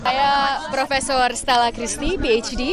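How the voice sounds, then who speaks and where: A woman professor introduces herself to the press in a slightly high voice. She speaks articulately but leans on filler sounds between phrases. A clear crowd of reporters murmurs all around her. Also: steady tone, measured pace.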